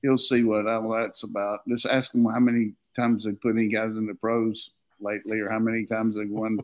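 A man's voice: lowish voice, flat delivery, fairly quick, a little mellow, low-quality recording. An older man, a former coach, chatting casually about football in a rambling, folksy, joking way. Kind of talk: casual sports talk.

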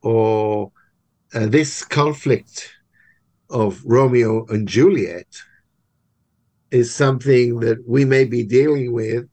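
A man's voice: on the low side, a little mellow. An older man working in theatre, answering interview questions thoughtfully and often restarting and repeating words. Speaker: guest, theatre maker and lecturer.

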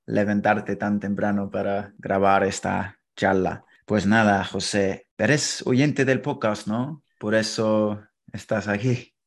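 A man's voice: on the low side, steady tone, slow, hardly any pauses. A man from England with an English accent, a native English speaker, hosting a casual podcast interview. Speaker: podcast host.

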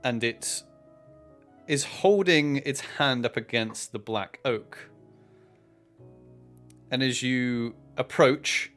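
A man working as game master, improvising descriptive narration for a tabletop game with hesitant pauses mid-phrase. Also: mid-range voice, fairly bright tone, soft background music.

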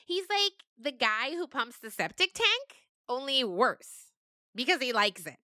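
A woman's voice: high voice, big pitch swings, measured pace, bright, forceful tone, no room sound, clean studio sound, voice pushed up, full character voice. A woman voicing a chatty, scatterbrained young goat. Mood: rambling. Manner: rambling, full of "like" and "um".

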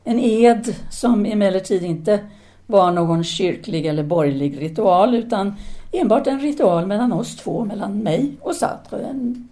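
A woman's voice: mid-range voice, mellow, natural voice. A woman playing a self-assured, seductive philosopher-teacher in an audio drama, speaking in an articulate, formal, lecturing manner. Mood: reflective. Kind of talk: audio drama dialogue acting.

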